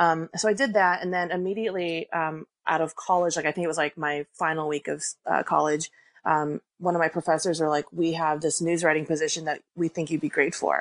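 A plain, everyday voice moves at a fairly quick pace with fairly even intonation, its sound dry and close with no echo over a quiet background. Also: woman, fairly low pitch for a woman. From Chicago, US (born in Korea, moved at five). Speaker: sports social media manager. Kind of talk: casual interview. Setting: podcast recording.

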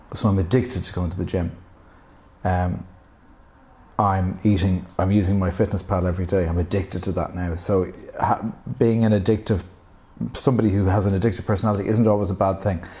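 Quiet and somewhat breathy, a man speaks with a Dublin accent in a very deep, low pitch and a dark, mellow tone. His intonation is fairly even, with long, frequent pauses. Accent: Irish (Dublin). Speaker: hotel manager and cafe co-owner. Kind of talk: casual interview. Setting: in person at hotel cafe. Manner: quiet in person.

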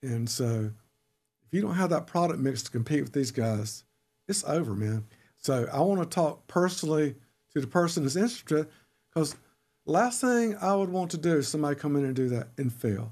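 With a Southern US accent, a man talks at a fairly quick pace. His fairly high pitch swings very widely. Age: 60s. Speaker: surf shop owner. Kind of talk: casual interview chat.

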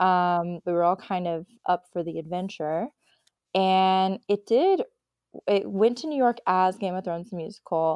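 At a fairly slow pace, a woman with an American accent uses a normal speaking voice at medium pitch with ordinary pitch variation against a quiet background. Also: dry, close sound with no echo. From Texas (Dallas). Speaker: comedian and sketch performer. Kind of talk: casual chat.

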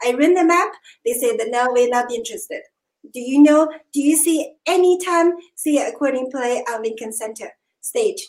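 With a high pitch and lively intonation, a woman speaks. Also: moderate pace. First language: not English. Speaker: musician, accordion player. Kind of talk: storytelling in casual chat. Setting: video call.

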